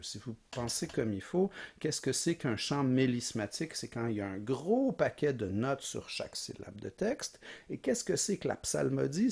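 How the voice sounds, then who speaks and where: A man's voice: mid-range voice, creaky, a little mellow, slight background noise. A man giving a recorded music history lecture, explaining patiently, asking rhetorical questions and singing short examples.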